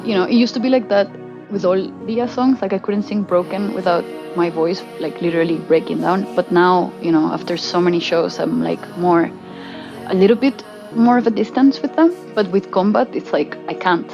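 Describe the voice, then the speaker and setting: A woman's voice: fairly low pitch, normal speed, over music, rough recording. A woman from Colombia, a musician and native Spanish speaker, chatting casually in an interview and laughing easily. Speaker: musician guest.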